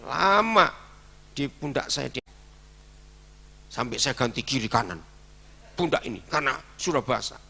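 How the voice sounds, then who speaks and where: A man's voice: medium pitch, creaky, sharp tone. A man preaching a sermon with an Indonesian accent, telling a story and acting out the dialogue in it.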